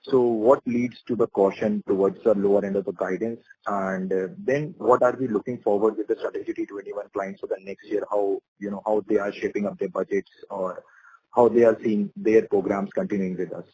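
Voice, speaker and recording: A man puts questions on an earnings call as an analyst. His voice is low and a little rough, and the sound is dry, with no room around it. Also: fairly even intonation, a little fast, darkish tone, no room sound, dull audio.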